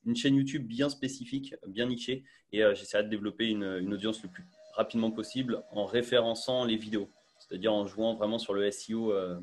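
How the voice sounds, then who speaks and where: A man's voice: on the low side, steady tone, a little fast. A young man talking casually as a guest on a video call, with many fillers and restarts, through an earphone mic. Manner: chatty, full of fillers and restarts. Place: small bright room indoors.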